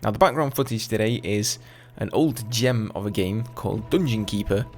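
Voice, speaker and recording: English guy late twenties, chatty gaming vlog, lowish voice, lots of ums. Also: moderate pace, soft background music. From England. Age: 20s. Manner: chatty, relaxed, with fillers and asides. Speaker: gaming YouTuber. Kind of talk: casual Q&A over gameplay.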